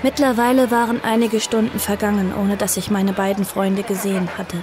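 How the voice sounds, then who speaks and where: A woman's voice: medium pitch, level tone, a little fast, lightly acted. An actress playing an earnest, frightened young woman in an audio drama, acting and narrating in the first person. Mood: tense recounting. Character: Abby, earnest frightened young woman fleeing her uncle.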